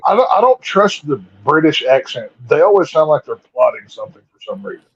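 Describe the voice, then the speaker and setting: A man's voice: fairly high pitch, very animated, brisk, dull audio. A man co-hosting a casual movie review podcast, blunt and joking in his opinions. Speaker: podcast co-host.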